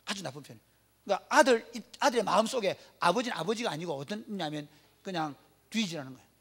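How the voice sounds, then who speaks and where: A man's voice: sits high, lively intonation, quick pace, fairly bright tone, breathy edge. A male pastor preaching a sermon, blunt and emphatic, often asking the congregation rhetorical questions. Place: church.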